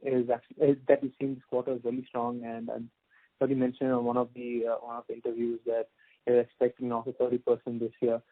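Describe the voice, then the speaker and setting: A man asking halting, long-winded questions as an analyst on an earnings call. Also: medium pitch, monotone, dry recording. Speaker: analyst caller. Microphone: telephone. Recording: tinny, dry phone line.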